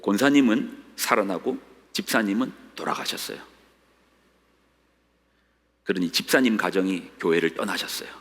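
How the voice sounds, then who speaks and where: A man's voice: lowish voice, animated, normal speed, pauses often, a bit bright. A middle-aged male pastor preaching a sermon, dramatically voicing the complaints of the faithful with rising cries. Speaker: senior pastor. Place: church sanctuary. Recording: long reverb of a church hall.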